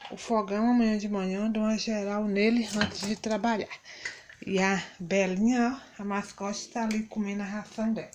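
A middle-aged Brazilian woman vlogs from her kitchen on a handheld phone, chatting with viewers and calling them "gente" in Brazilian Portuguese. Her middle-pitched voice stays level at a moderate pace. Loud clattering of dishes and pans and other background noise run beneath her speech.

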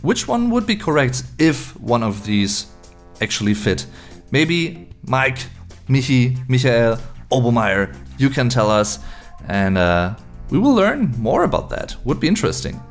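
A native German man hosts a casual language lesson, musing his way through each point. His pitch moves around a lot while the pace stays slow, with faint music behind him. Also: big pitch swings. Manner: musing, thinking aloud. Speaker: language video host. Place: small room indoors.

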